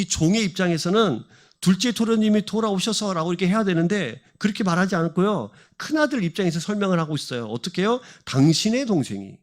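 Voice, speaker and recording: Animated high-voiced male preacher. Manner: animated, asks the congregation questions and answers them. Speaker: pastor. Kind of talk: sermon. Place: church sanctuary.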